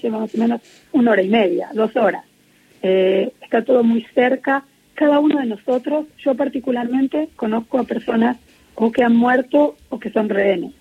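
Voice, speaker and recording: A middle-aged woman with an Argentine Spanish accent speaks in an earnest, measured way, pausing often to find her words. Her voice sits a little high but comes through very husky and gravelly. She is heard on a muffled, lo-fi phone line. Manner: earnest, measured, many hesitations. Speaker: interviewee, peace activist. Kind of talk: phone interview on radio. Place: at home in Israel.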